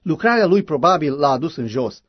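A man's voice: fairly high pitch, very animated, breathy edge, no room sound. A man preaching a sermon in a fervent, emphatic way, with frequent exclamations. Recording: dull lo-fi recording.

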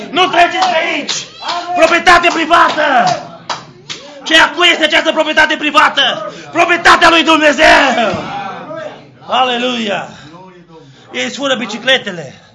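A man preaching a fiery sermon, shouting exclamations of praise and asking questions he answers himself, dropping now and then into low, quiet passages. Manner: shouting exclamations of Hallelujah, call-and-response questions. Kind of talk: fiery Pentecostal-style sermon.

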